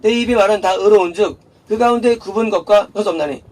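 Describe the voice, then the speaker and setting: A man's voice: high voice, quick pace, darkish tone. A male pastor giving a chatty, conversational sermon, posing rhetorical questions to the congregation and answering them himself. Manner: chatty and informal, with laughs in passing. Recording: voice a bit distant from the mic, faint background noise.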